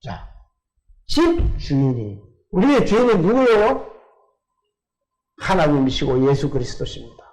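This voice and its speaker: A man's voice: on the high side, wildly swooping pitch, measured pace, long pauses, a little mellow, low-quality recording. An older man from South Korea, preaching a sermon in church and putting questions to his congregation. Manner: asks the congregation questions and answers them himself. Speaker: pastor.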